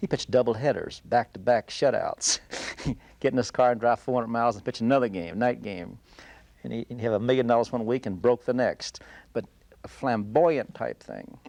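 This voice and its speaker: In a South Carolina accent, a man speaks at a fairly quick pace and medium pitch, with ordinary pitch variation and big swings in loudness, in a dry, close sound with no echo. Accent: Southern US (South Carolina). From South Carolina, Columbia. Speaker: writer and writing teacher. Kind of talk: interview Q&A with students. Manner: fast; halting.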